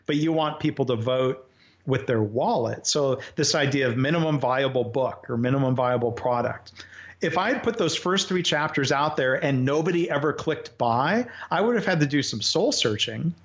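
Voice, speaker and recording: A man's voice: medium pitch, expressive, normal speed. A man in an interview, talking about his writing process at a thoughtful pace, with plenty of fillers and restarts. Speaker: author guest. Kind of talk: conversational interview. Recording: slightly dull lo-fi audio.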